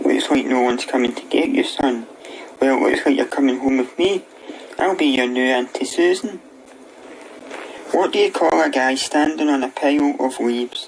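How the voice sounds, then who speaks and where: Speech at a moderate pace amid noticeable background noise. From UK. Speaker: live streamer telling jokes. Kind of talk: joke telling on live stream. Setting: live stream.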